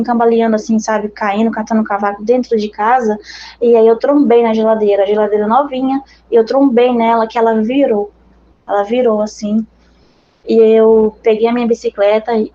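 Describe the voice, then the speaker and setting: A woman's voice: fairly high pitch, mellow, muffled recording, slight background noise. A woman missionary with a Brazilian accent giving an earnest, conversational religious testimony to her brothers and sisters in faith.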